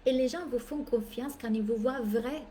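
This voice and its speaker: Animated woman coach, mellow voice. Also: fairly high pitch, normal speed, slight background noise. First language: not French. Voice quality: animated, playful, theatrical asides. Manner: emphatic, repeats phrases for effect. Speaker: business coach. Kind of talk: live masterclass talk.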